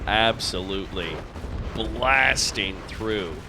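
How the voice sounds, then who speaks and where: Very slow speech from a man amid noticeable background noise. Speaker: game commentator. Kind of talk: live game commentary cast. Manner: subdued, low-energy.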